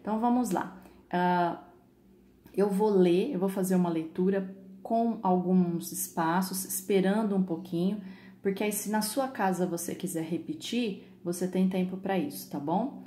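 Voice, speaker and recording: A woman's voice: fairly low pitch, a little slow, dark tone. A woman with a Brazilian Portuguese accent teaching a recorded online English class, patient and checking in often with her students. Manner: patient, repeats "tá?" and "tá bom?" to check in. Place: home with computer. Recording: echoey room, faint background noise.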